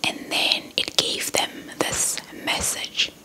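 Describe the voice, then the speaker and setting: A young woman with a South African accent narrates a folktale as ASMR, entirely in a whisper. Her delivery is slow and breathy, close to the mic, with words softly repeated. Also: poor audio. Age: young adult. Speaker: ASMR storyteller. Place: indoors, in front of a dark cloth backdrop. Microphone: small handheld lavalier mic with windscreen, held close.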